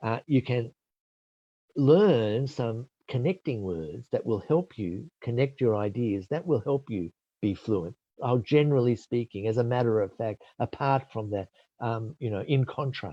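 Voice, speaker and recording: A man at medium pitch with lively intonation and a dark, mellow tone, speaking at a fairly slow pace in a dry, close sound with no echo against a quiet background. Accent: Australian. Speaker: English test preparation expert. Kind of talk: live webinar Q&A. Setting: home video call. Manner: halting.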